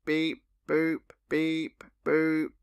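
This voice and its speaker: A robotic text-to-speech man's voice, set up as a chat bot on a stream, reading everything in a dead-flat monotone. The tone is smooth and clean with a gravelly, crackly edge underneath. The sound is dry and close, with no room around it. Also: on the high side, drawn-out words, no room sound.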